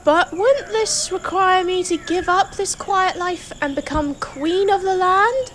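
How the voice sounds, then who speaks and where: A woman's voice: very high voice, a little slow, a bit bright, slight background noise. A woman playing a sincere, troubled and hesitant young princess in an amateur audio drama. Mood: resolving.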